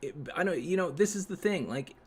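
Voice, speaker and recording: A man's voice: high-pitched, animated, brisk, breathy edge. A man hosting a live stream, chatting to viewers in a rambling, sarcastic and profane way. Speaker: livestream host.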